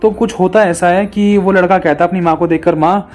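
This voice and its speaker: High-voiced earnest male preacher. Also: steady tone, brisk, darkish tone, soft background music. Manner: earnest, repetitive storytelling. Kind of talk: sermon with storytelling.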